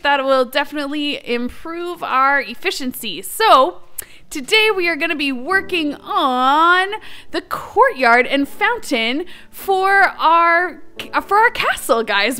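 A woman's voice: high voice, pushed and bright. A young woman giving casual, chatty gameplay commentary, upbeat and thinking aloud as she goes. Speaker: gaming video creator.

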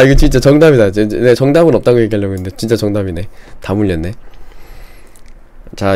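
A man teaching a live-streamed stock trading lesson, explaining slowly and reading viewer chat aloud. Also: medium pitch, warm tone, dry recording.

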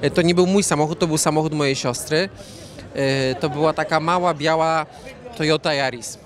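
A man in his thirties talks at an outdoor evening gala, holding a handheld reporter mic. His voice sits a bit high for a man. He rambles easily, repeats words and leans on fillers. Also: fairly even intonation, moderate pace. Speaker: interview guest, fashion designer. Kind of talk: red-carpet interview.

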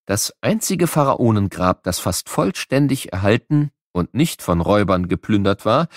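Expressive low-voiced man narrating for children. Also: moderate pace, dry recording, clean studio sound. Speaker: narrator of a children's educational audiobook. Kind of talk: scripted educational narration for children.

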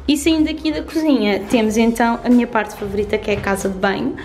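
A young woman in her twenties with a European Portuguese accent, chatting upbeat through a house tour vlog, filmed on a handheld camera in an empty flat. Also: fairly high pitch, reverberant. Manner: chatty and upbeat, fond of diminutives. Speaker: vlogger. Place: empty renovated flat indoors. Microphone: handheld camera at arm's length.

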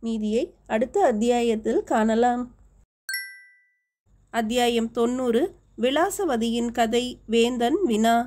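A woman reads a historical novel aloud as an audiobook narrator. Her delivery is steady and measured. Her voice is mellow and warm and sits slightly high for a woman. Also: a little hiss or hum.

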